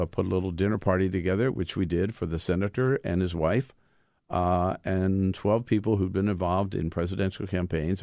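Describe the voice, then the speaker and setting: Low-voiced man reading from his book, dry sound. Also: darkish tone, dry recording. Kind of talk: book reading mixed with informal storytelling.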